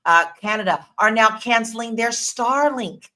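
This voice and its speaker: A woman's voice: fairly high pitch, normal speed, sharp tone. A woman speaking emphatically as a panelist in a casual discussion.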